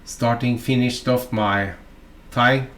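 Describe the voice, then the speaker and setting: A man from Norway with a Norwegian accent, narrating a fly-tying tutorial in a halting, chatty way full of fillers and asides. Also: medium pitch, steady tone, a bit bright.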